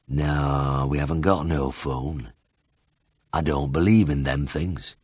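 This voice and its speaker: A man voicing a slow-drawling old Yorkshire farmer with an unhurried, lazy manner. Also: extremely low pitch, fairly even intonation, a little mellow, husky, no room sound, studio quality, pitched below the performer's own voice, heavily acted. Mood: laconic.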